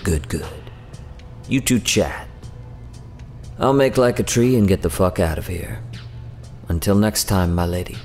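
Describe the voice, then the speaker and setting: Casting: roguish otherworldly schemer, very low pitch, sardonic and slangy, audio drama with music underneath. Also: male voice, unhurried, pauses often, a little mellow. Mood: sly, flippant. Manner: slangy, sardonic, casually profane. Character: irreverent, roguish male otherworldly emissary, whiskey-drinking schemer.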